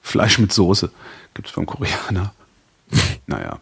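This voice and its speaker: Man, forties, podcast co-host, casual rambling chat, laughs a lot, husky. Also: low voice, huge pitch swings, slow pace, fairly bright tone, no room sound. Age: 40s. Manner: chatty, laughs often, rambling restarts.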